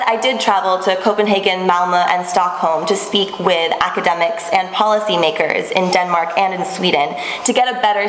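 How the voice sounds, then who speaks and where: A woman in her twenties giving a measured academic presentation to a panel in a small seminar room. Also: on the low side, fairly bright tone. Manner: clear, measured lecturing with occasional restarts. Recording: echoey room with long reverb, faint background noise.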